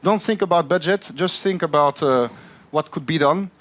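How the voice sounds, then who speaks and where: A man moderating a conference session, speaking as an in a halting, filler-heavy way. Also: fairly high pitch, a bit bright. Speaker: panel moderator. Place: conference room.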